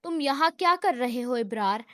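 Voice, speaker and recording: A woman reading as a calm, stern businessman. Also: sits high, no echo, studio quality. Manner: firm, measured. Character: calm dignified businessman, stern older brother.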